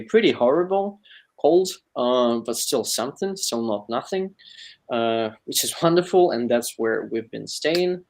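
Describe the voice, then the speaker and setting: Mid-pitched Ukrainian man recounting experiences. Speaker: panel guest. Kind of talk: conversational personal account.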